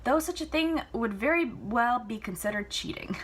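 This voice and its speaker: A woman's voice: a little high, expressive, normal speed, slight background noise, pitched above the performer's own voice, natural voice. Woman reading as stern, dismissive old ghost father. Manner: curt, dismissive. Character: stern, disapproving gray-haired ghost father, contemptuous old magician. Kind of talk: storybook character reading.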